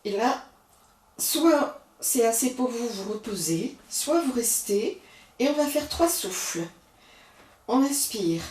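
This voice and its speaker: A woman yoga teacher giving slow, calm guided cues through a breathing and posture practice. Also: a little high, roomy sound, far from the mic.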